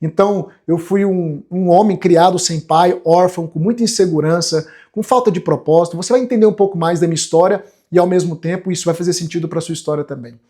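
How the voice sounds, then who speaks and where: High-voiced Brazilian man, motivational coach. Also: steady tone, fast talker, hardly any pauses, dark tone. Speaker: self-development coach hosting an online class. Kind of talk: motivational live lecture to viewers.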